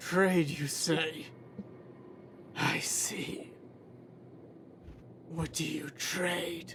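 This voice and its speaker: In a put-on character voice, a raspy, menacing tone at a middle pitch creeps along at a very slow pace with long, frequent pauses over light background noise. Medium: actual play. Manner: terse, menacing.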